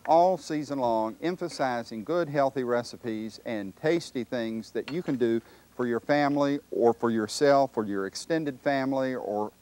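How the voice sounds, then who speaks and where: A man's voice: medium pitch, normal speed, a little mellow. A man hosting a comic cooking show outdoors at a backyard cookout, explaining things in a chatty, folksy way. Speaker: host.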